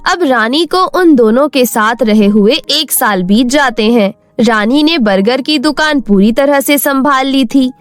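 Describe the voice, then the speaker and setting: A woman narrating a moral bedtime story in a scripted storybook style. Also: high-pitched.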